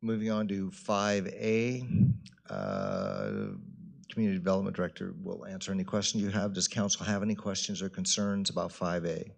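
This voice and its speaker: A man's voice: low-pitched, animated, normal speed, gravelly. A man serving as mayor, running a meeting with short procedural prompts.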